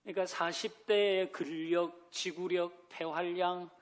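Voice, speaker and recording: A man's voice: high-pitched, steady tone, measured pace. A man preaching a Sunday sermon as pastor, who asks the congregation questions, leads them in reading scripture and drops in light joking asides. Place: church sanctuary.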